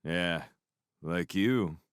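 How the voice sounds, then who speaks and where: A man's voice: low voice, extremely slow, clean tone, dry recording, studio quality. A man voicing a soaked, very drunk fisherman who scolds people with theatrical mock outrage. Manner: slurred, theatrical, shouting.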